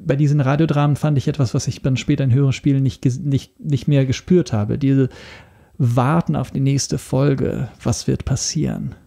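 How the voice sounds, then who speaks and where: A man's voice: medium pitch, fairly even intonation, gravelly, dark tone. A man talking casually as a podcast guest, searching for words and often restarting his phrases. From Italy. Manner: halting, searching for words with repeated starts. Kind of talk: casual interview talk.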